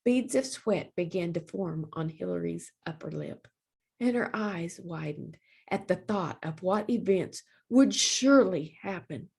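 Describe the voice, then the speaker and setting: A woman hosting storytime, reading a children's picture book aloud in a deliberate, expressive storytelling manner. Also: fairly low pitch, vocal fry, husky. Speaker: storytime host, librarian.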